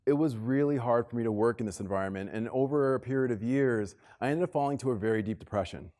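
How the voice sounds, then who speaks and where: A man's voice: fairly low pitch, darkish tone. A middle-aged American man delivers a motivational keynote to a live room, telling personal stories conversationally and repeating phrases for emphasis. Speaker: keynote speaker. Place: live talk on stage to a room of listeners. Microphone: stage microphone.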